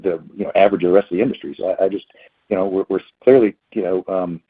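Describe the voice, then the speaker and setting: Male executive, quick but halting and repetitive, on a tinny phone-grade earnings call line. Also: deep voice, steady tone, breathy edge. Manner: halting, hesitant, repeats words. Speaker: company executive answering analysts. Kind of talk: earnings call question and answer. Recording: phone-like narrow band conference call.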